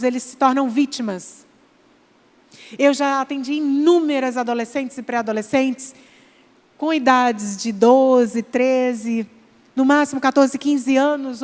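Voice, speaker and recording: A woman from Manaus with a Brazilian accent, a psychologist giving an animated sermon, speaking directly to the congregation. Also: sits high. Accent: Brazilian Portuguese, Manaus. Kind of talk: church sermon. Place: large church hall. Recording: long church hall reverb.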